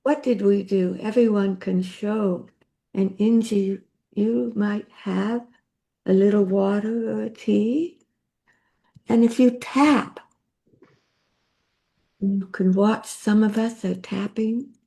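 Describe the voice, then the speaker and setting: Slow, soothing woman guiding a group. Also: mid-range voice, vocal fry. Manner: calm, soothing, slow instructions. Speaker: workshop facilitator. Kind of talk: guiding a gentle group exercise. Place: video call.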